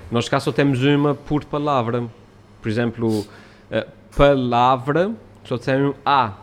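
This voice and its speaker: A man's voice: mid-range voice, fairly even intonation, normal speed. Chatty man with a Portugal accent. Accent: European Portuguese. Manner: chatty and explanatory, with frequent fillers and tag questions. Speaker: YouTube creator. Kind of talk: casual chat.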